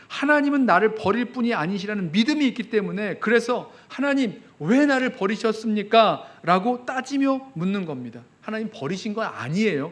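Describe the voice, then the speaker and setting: High-voiced male pastor in a church, sermon full of questions to the congregation, turns to fervent pleading. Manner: rises to impassioned pleading when voicing the psalmist; addresses congregation directly with rhetorical questions. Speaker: senior pastor. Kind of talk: Friday prayer meeting sermon. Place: church sanctuary.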